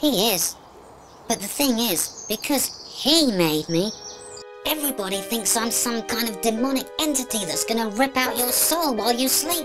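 A female-sounding cartoonish character voice at a fairly high pitch moves at a moderate pace over clear background noise.

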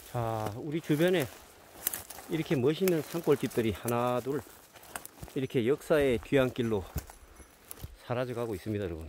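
A man at a moderate pace with lively intonation and long, frequent pauses, light background noise, and a dry sound with no echo. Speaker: rural exploration vlogger. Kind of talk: casual vlog commentary. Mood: nostalgic, reflective. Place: open country. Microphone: phone near.

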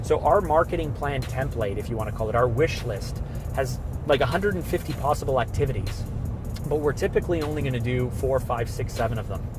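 A man talking at a fairly quick pace, dry with no echo, clear music playing behind him. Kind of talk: interview answer. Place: car. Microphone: camera far.

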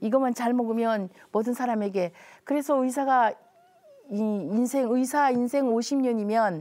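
A woman's high-pitched voice shows ordinary pitch variation. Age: 70s. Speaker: health lecturer. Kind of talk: lecture. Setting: studio. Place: studio.

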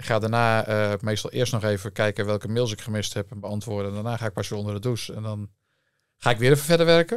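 A man at a very fast pace and fairly low pitch, with ordinary pitch variation and big swings in loudness, in a dry sound with no echo over a quiet background. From Netherlands. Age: 50s. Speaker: entrepreneur and investor; guest. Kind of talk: interview. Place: studio. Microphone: studio mic.

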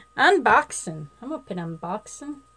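A woman with a Southern US accent speaks at a moderate pace, her pitch swinging very widely. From US South. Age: 50s. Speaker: beauty vlogger. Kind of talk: casual chat. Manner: animated. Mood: playful, laughing storytelling. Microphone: phone near.

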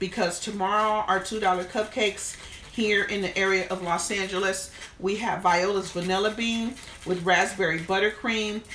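A woman speaks slowly-ish in a monotone, flat intonation. Audible room echo and light background noise fill the recording. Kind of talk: casual live-stream tutorial. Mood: cheerful and chatty. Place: kitchen. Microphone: phone near.

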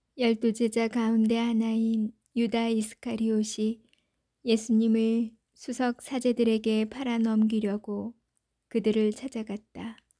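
A woman's fairly high, dark, mellow voice, monotone and flat, very slow, on a very clean recording with a silent background. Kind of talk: reading aloud; reflection.

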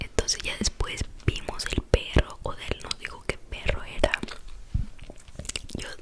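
A woman speaks in a whisper. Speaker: vlogger. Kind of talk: casual vlog storytelling. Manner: soft-spoken close-mic ASMR murmur. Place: home room.

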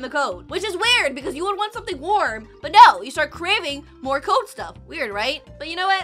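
A woman uses a raised, projected voice with faint music in the background. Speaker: reaction video creator. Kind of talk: casual reaction commentary. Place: home room.

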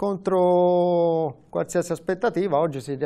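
A man with a Tuscan accent, dark and mellow in tone, fairly slow in pace, with fairly even intonation. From Tuscany, Arezzo province; Tuscany. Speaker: cycling tour guide. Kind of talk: interview. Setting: studio. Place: studio. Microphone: lapel.

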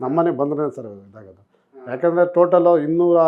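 The speaker is a man with a fairly high pitch and an ordinary speaking voice. His intonation is fairly even. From Bengaluru, Karnataka (Dasarahalli area). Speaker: aspiring local election candidate. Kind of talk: interview.

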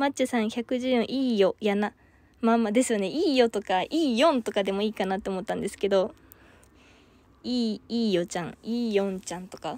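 A woman at a fairly high pitch with ordinary pitch variation, in a dry, close sound with no echo. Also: fairly quick pace, very clean recording, silent background. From Okayama, western Japan. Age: 20s. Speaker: idol audition candidate. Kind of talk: livestream chat reading viewer comments. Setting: solo livestream. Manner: giggly, frequent laughter.

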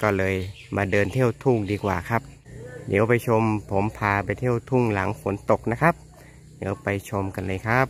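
Fairly low in pitch, a man speaks in an unremarkable speaking voice with ordinary pitch variation, the sound dry with no echo and light background noise. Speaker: vlogger. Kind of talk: casual vlog chat. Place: open country. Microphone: phone near.

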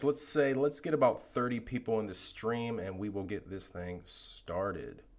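The man's pitch moves with ordinary variation. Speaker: tech youtuber host. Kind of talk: livestream Q&A chat. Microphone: studio mic.

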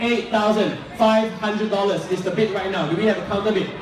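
The man's voice is high-pitched and carries audible room echo. Noticeable noise sits in the background. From Singapore. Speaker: event emcee, auctioneer. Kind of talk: live charity auction calling. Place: hall. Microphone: pa.

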